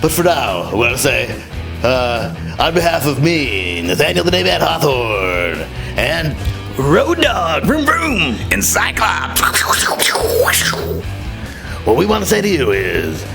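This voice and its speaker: A brash morning-zoo radio DJ played by a man in a comedy sketch, goofy and bombastic. His gravelly voice swings widely in pitch and stretches words into shouts, over music. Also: wildly swooping pitch, takes it slowly, exaggerated voice. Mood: hyped up. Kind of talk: radio DJ sign-off parody.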